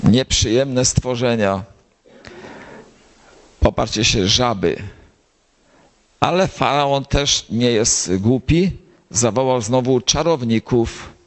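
An older priest preaches at an unhurried pace and speaks as if telling a story. His voice sits at an ordinary male pitch, and he now and then jumps up high to stress a point. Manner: slow storytelling, rising to high emphatic lines. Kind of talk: sermon. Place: gathering of bible circles.

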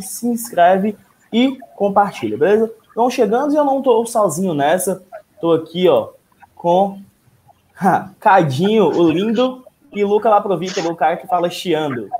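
A man in his thirties hosts a casual live sports talk over a video call from a room at home, using a wired earphone mic. His voice is high-pitched and darkish at a moderate pace, with slight background noise.

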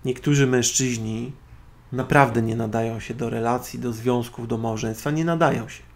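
A man's voice: mid-range voice, steady tone, normal speed. A man hosting an internet radio show, speaking in a sardonic, opinionated monologue to his listeners. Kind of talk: solo spoken monologue.

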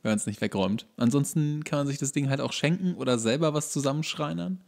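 Dry, halting man chatting casually. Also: on the high side, gravelly, darkish tone. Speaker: podcast co-host. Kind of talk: casual comedic chat.

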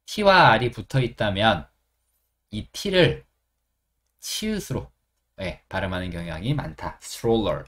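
A middle-aged man with a Korean accent, teaching an English lesson and repeating phrases slowly, step by step. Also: medium pitch.

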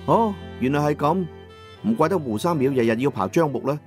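A man narrating a first-person audiobook novel in a measured storytelling manner, over soft background music. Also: a little high, lively intonation. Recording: dry studio with soft music.

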